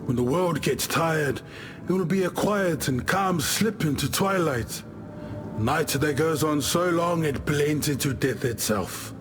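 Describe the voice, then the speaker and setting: An actor playing an easygoing tribal warrior chieftain from the islands, telling tales in a wry, expressive way as video game dialogue. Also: male voice, fairly high pitch, measured pace, natural voice. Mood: solemn, assured. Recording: music behind the voice. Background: game music.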